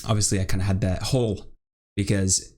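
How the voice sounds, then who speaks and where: A man's voice: on the low side, little pitch movement, fairly quick, mellow. A young man from Brazil with a mixed British and American accent, hosting an interview show in a chatty, rambling way. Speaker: host. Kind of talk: casual interview chat.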